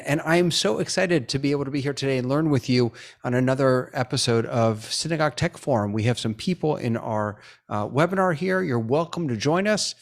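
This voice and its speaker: A man hosting a live webinar over a video call, chatty and upbeat with lots of fillers. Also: mid-range voice. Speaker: webinar host.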